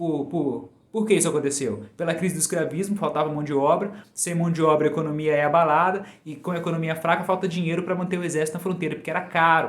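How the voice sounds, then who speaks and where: A man talks at a very fast pace, his pitch fairly high and his intonation fairly even. Audible room echo and noticeable background noise surround him. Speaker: history teacher. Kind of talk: lecture.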